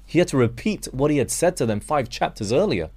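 A man's voice: mid-range voice, animated, a little fast, a little mellow, slightly rough. A Malaysian man preaching a sermon, earnest and direct, calling his listeners friends and asking them rhetorical questions.

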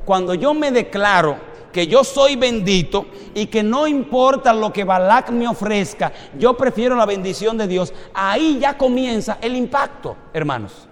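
A man preaching a lively, humorous sermon as a pastor. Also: sits high, unhurried, big-room sound. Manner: animated, humorous storytelling.

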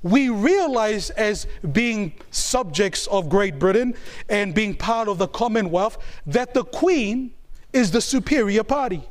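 A preacher from New Zealand with a strikingly high voice delivers a sermon. He stresses his points through repetition and keeps pulling the congregation in with questions for them to answer. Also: animated, a little slow. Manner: call-and-response, asking the congregation to answer; emphatic, repeats key phrases.

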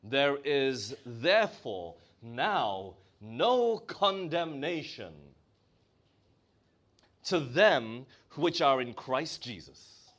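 A man's voice: medium pitch, sing-song, drawn-out words, a bit bright. A male preacher with a Malaysian accent, delivering a sermon and asking his congregation questions as he stresses key words.

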